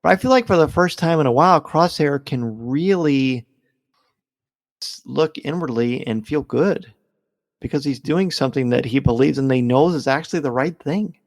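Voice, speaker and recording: A man's voice: a little high, moderate pace, no room sound, clean studio sound. A middle-aged man hosting a casual fan discussion in an enthusiastic way. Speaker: podcast host.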